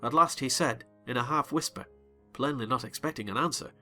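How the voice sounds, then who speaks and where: A man reading a novel aloud as a dramatized audiobook, theatrical and quick to rise into excited shouts. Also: medium pitch, soft background music. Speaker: narrator.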